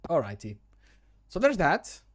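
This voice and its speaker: Chatty, higher-voiced middle-aged man. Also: wildly swooping pitch, measured pace. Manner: self-deprecating, chatty. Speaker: streamer recording voice lines for a game mod. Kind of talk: casual livestream commentary. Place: small home room.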